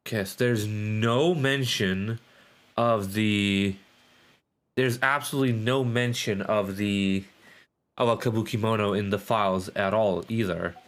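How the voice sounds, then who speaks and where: A man's voice: lowish voice, a little slow, a bit bright. A man doing casual live game commentary, rambling and sweary, sometimes reading on-screen text aloud. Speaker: game streamer.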